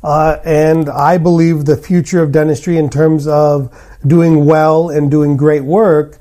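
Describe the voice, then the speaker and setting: Podcast host guy, bit high pitched but really soft mellow tone, blunt n opinionated, chatty. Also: flat delivery, unhurried. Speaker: podcast host, general dentist. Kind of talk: conversational podcast hosting. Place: hotel room.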